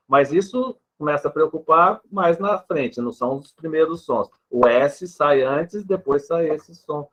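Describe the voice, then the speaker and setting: A man's voice: medium pitch, fairly bright tone. A man with a Brazilian Portuguese accent, a speech therapist, patiently explaining with examples and a habit of tagging his sentences with a questioning "né". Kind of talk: explanatory interview answer. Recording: dull lo-fi sound.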